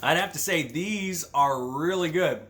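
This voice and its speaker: A man's voice: fairly high pitch, unhurried, fairly bright tone, slight background noise. A man hosting a casual food review, chatting as he tastes crunchy chips. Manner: talks while tasting crunchy chips. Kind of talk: casual product review chat.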